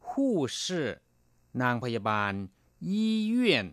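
A man's voice: a little high, big pitch swings, slow, a bit bright, no room sound, studio quality. A man hosting a radio language lesson, patiently explaining each word and repeating it. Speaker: radio host and Chinese language teacher.

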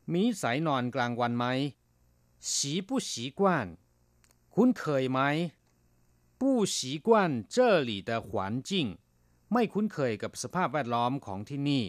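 A man's voice: mid-range voice, no echo, studio quality. A man hosting a radio language lesson, patiently explaining each word and repeating it. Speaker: radio host and Chinese language teacher.

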